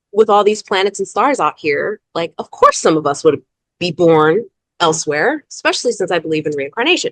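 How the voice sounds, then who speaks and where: At a fairly quick pace, a woman with medium pitch speaks in an animated tone with lively intonation, the sound dry and close with no echo. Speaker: spiritual guest speaker on starseeds. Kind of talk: interview, personal story.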